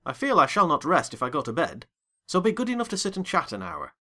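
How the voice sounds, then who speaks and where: A reader voicing a curious formal gentleman. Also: mid-range voice, huge pitch swings, quick pace. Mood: inquisitive. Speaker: first-person narrator. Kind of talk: dramatized audiobook reading.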